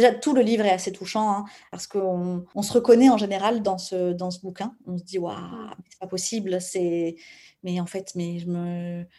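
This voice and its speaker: With an unremarkable speaking voice, a woman at a medium pitch speaks at a fairly slow pace with fairly even intonation. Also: big swings in loudness. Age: 30s. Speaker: naturopath and yoga teacher. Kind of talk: interview conversation.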